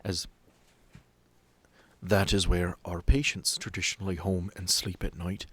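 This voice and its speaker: Man playing a guarded woman running a sanatorium, low-pitched. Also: level tone, unhurried, a bit bright, husky, heavily acted. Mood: guarded, reluctant.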